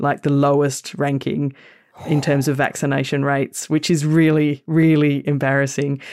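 Speaking in an Australian accent at a moderate pace, a woman has a very deep, low pitch and fairly even intonation. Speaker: travel podcast host. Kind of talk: casual chat.

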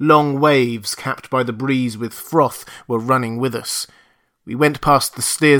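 The clip is read aloud in a natural voice. Behind it, things are quiet.

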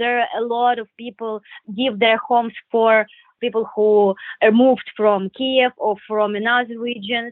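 Speaking with a Ukrainian accent, a woman uses a fairly high pitch, fairly even intonation and a fairly slow pace. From Khmelnytsky, Ukraine. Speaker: Ukrainian interviewee. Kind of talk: interview.

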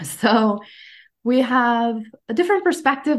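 The background is quiet. Her intonation is lively as the woman talks. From United States. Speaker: life coach and army veteran. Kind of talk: casual chat.

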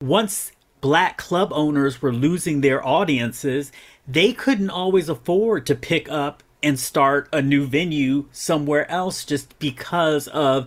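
A man's normal speaking voice with an American accent, fairly high in pitch with ordinary pitch variation, at a fairly slow pace in a very clean recording with a silent background. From Washington DC. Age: 50s. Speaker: music scholar and writer. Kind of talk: casual chat.

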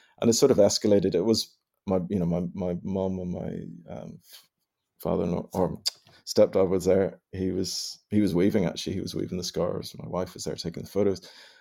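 A man talks fairly quickly in a Northern Irish accent, his very deep, low voice carrying vocal fry. The tone is dark and mellow, with ordinary pitch variation. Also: big swings in loudness. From Northern Ireland. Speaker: weaver. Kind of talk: casual chat. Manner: halting.

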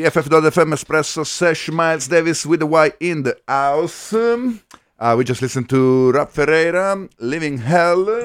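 Lively in intonation yet at a fairly slow pace, a man with a plain, everyday voice and a fairly high pitch for a man talks with hardly any pauses. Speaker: radio host. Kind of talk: radio interview and show hosting. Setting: radio studio.

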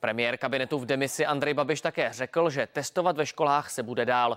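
A man uses a normal speaking voice at a moderate pace, with a fairly high pitch and ordinary pitch variation. The recording is very clean, with a silent background. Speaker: news reader. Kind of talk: news reading.

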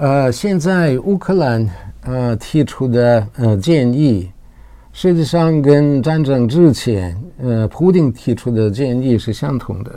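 Very slowly and with lively intonation, a man speaks at medium pitch with a Russian accent. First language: Russian (speaking Chinese). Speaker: professor. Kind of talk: radio interview. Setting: studio. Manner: halting, many fillers.

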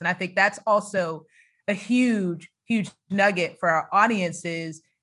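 A woman with a plain, everyday voice speaks at medium pitch with ordinary pitch variation against a quiet background. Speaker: podcast host and writing coach. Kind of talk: podcast interview.

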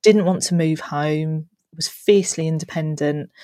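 In a British accent, a woman speaks at a fairly slow pace with a very deep, low pitch, recorded very cleanly against a silent background with a dry, close sound and no echo. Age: 40s. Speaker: occupational psychologist and coach. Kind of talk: interview conversation. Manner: hesitant with false starts.

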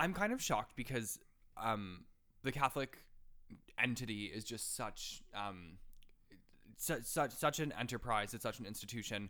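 This man has a bright, sharp tone and leaves long, frequent pauses. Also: medium pitch for a man, ordinary pitch variation, moderate pace. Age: 20s. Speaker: podcast co-host. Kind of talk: casual chat; reading aloud.

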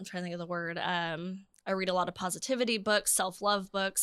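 In a very clean recording with a silent background, a woman with a Californian accent speaks at a medium pitch with a bright, sharp tone and fairly even intonation. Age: 40s. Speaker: independent beauty stylist. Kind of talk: casual interview. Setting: studio.

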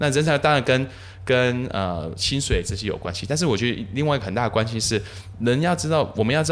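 A man talks in an unremarkable speaking voice at a medium pitch. His intonation is lively. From Taiwan. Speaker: podcast host. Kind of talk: casual chat.

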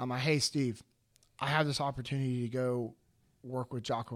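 A man speaks with an American accent at a medium pitch. He has an unremarkable speaking voice. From US West, Sacramento, California. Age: 30s. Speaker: former Navy SEAL, leadership consultant. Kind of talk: casual interview, war stories. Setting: studio.

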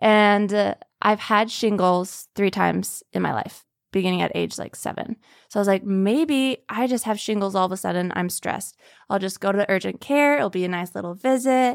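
In a very clean recording with a silent background, a woman with an American accent and an ordinary speaking voice talks at a moderate pace, using a medium pitch and ordinary pitch variation. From Minnesota. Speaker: photographer. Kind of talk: casual interview.

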